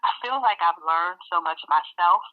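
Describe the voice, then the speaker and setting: A woman's voice: lowish voice, moderate pace. A middle-aged woman chatting casually in a phone interview, rambling and full of fillers. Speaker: interviewee, parent of child actors. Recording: tinny phone line.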